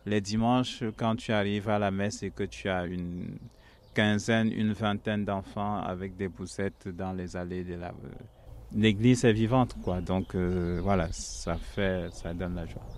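A man's voice: deep voice, steady tone, a little slow, darkish tone, slight background noise. A man, a Catholic friar and priest giving reflective, earnest interview answers with frequent hesitations. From Cameroon.

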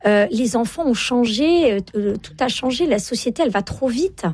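A woman's voice: on the high side, animated, darkish tone, breathy edge, no echo. A woman in her forties, an author on parenting, talking in an interview, emphatic and full of fillers. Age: 40s. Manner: fast, emphatic, many fillers and repeated agreements. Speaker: author and child psychologist, guest. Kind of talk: interview conversation.

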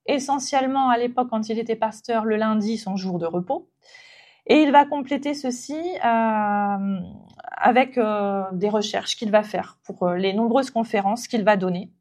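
A woman giving an unscripted guided presentation, pausing often with filler sounds as she explains. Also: fairly high pitch, a little mellow. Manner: hesitant, frequent filler pauses.

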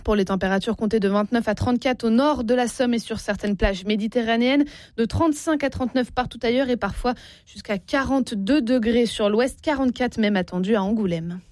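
A woman's voice: on the high side, dry recording. Woman reading a radio news bulletin. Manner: steady, measured delivery. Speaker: newsreader. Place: radio studio.

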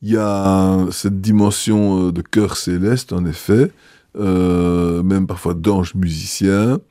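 A man, a bishop answering interview questions in a thoughtful, hesitant way with many pauses. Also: sits low, fairly even intonation, dark tone, no room sound, studio quality.

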